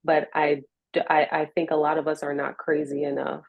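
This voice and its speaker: A woman's voice: low-pitched, little pitch movement, fairly quick, gravelly, no echo. An American woman in a reflective interview conversation, speaking in an earnest, encouraging way. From Richmond, United States.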